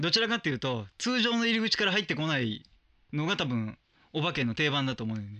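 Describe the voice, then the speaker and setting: The tone is bright and sharp, with very wide pitch swings at a very fast pace. The background is quiet. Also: man, fairly high pitch for a man. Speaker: illustrator, substitute co-host. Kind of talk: casual chat. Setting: studio.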